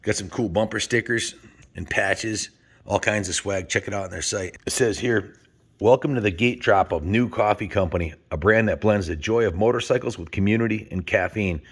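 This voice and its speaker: A man's voice: on the low side, moderate pace. A man with a folksy, enthusiastic manner hosts a story time, chatting casually and reading aloud to his viewers. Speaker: host of a story time show.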